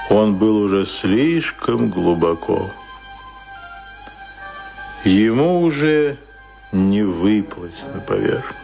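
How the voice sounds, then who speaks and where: A man narrating a radio play in a grave, measured, suspenseful literary style. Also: lowish voice, a little mellow. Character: grave male narrator of a drowning man's end.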